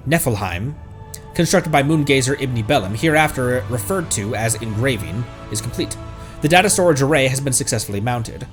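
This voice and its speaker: A male streamer with an average-pitched voice talks through a video game. He reads on-screen text aloud and comments on it, now and then halting and repeating a phrase. Music plays faintly underneath. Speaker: streamer, host of a gaming livestream.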